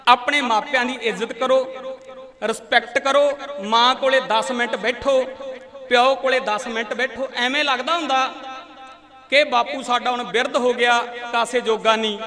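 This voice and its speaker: High-voiced, bright Sikh preacher in a hall. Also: male voice. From India. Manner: animated, emphatic, swings between loud and soft. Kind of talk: storytelling religious sermon. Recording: long hall reverb.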